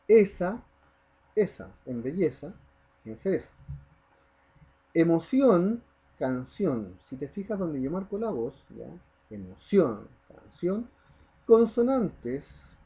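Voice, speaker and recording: A man with a warm, fairly high, slightly breathy voice leads a recorded online lesson for primary schoolers. He goes through things step by step, emphasizes example words, and frequently checks on the kids.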